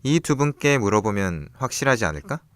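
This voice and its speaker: A man playing a brooding, secretive young student in a radio drama, measured and introspective as he talks and narrates over music. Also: on the low side, sing-song, a bit bright, clean tone, dry recording, clean studio sound. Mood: calm, explaining. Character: brooding, secretive young male student, an observant older classmate. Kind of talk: Korean radio drama dialogue and first-person narration.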